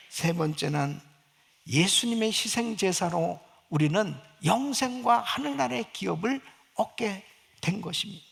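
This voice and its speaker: Gravelly high-voiced preaching pastor. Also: male voice, a bit bright. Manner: fervent preaching with rhetorical questions to the congregation. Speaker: senior pastor. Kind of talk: Sunday sermon.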